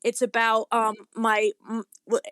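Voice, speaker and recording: A woman's voice: on the high side, completely flat delivery, measured pace, a bit bright, clean tone, no room sound, studio quality. A woman chatting casually as an interview guest, talking in an earnest, rambling and emphatic way. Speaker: guest author.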